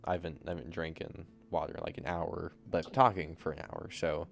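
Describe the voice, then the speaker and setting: A young man streaming while he codes, talking casually into a desk mic, halting and soft-spoken with a slightly raspy voice. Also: sits low, little pitch movement, soft background music. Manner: halting, many restarts and fillers, soft-spoken. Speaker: streamer, software developer. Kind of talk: casual live coding chat. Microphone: desk microphone.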